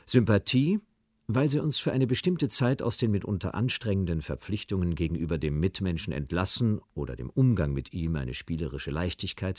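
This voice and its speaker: Man, lowish voice, formal didactic delivery, prepared speech, dry recording. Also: a little mellow, no echo. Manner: formal, didactic, elaborate phrasing.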